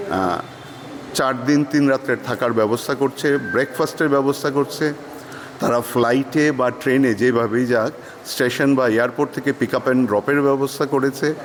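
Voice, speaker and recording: Echoey, halting male prize announcer. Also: medium pitch. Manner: halting, deliberate, with drawn-out hesitation sounds. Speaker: jewellery company representative announcing prize winners. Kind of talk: formal event speech, semi-prepared. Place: indoor wedding venue. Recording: echoey hall, faint background noise.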